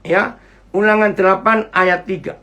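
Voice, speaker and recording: A man's voice: sits high, fairly even intonation, unhurried, bright, forceful tone. A man preaching a sermon over a video call, chatty, asking his listeners questions and greeting viewers as they join. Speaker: pastor. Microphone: computer mic on a video call.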